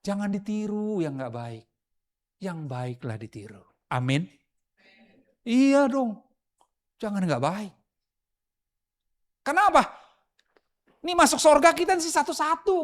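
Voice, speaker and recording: A man preaching a sermon as pastor, often asking the congregation rhetorical questions and moving between loud emphasis and quiet asides. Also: very high voice, big pitch swings, measured pace, pauses often.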